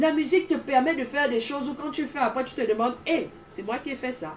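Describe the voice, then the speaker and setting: Audible room echo and noticeable background noise accompany a woman speaking at a high pitch with lively intonation. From Gabon. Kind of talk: sermon-style commentary. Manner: animated.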